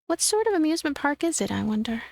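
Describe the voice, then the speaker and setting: A woman's voice: high voice, very animated, fast, creaky, darkish tone, full character voice. A woman voicing a timid, wonder-struck young heroine in a visual novel.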